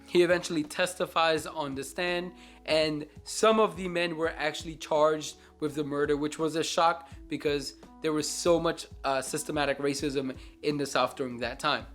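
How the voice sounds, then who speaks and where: A man's voice: fairly high pitch, steady tone, moderate pace, a bit bright, faint music behind. A man hosting a Christian book review vlog, talking in an earnest, reflective, almost preacherly way.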